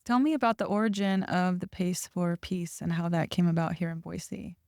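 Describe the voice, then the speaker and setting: A woman's voice: fairly low pitch, fairly even intonation, normal speed, creaky, a little mellow, no room sound, studio quality. A woman hosting a podcast interview, upbeat and encouraging with her guests. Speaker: podcast host. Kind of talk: hosted interview.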